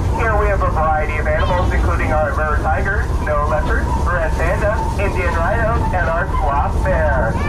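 Loud background noise runs under the recording. A man talks over it at a moderate pace. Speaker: zoo train tour guide. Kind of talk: tour narration. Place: train.

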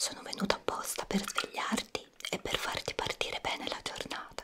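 A woman speaks softly at a moderate pace. Loud background noise surrounds her. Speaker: ASMR roleplay host. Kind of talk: soft personal-attention roleplay talk. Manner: soft, intimate ASMR murmur.

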